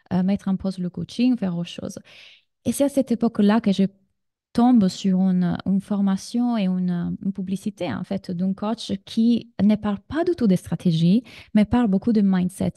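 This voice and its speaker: A woman's voice: mid-range voice, dark tone, no room sound, clean studio sound. A woman from Sardinia in her thirties with an Italian accent, leading a live online masterclass as a business coach and chatting directly with her audience. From Sardinia, Italy.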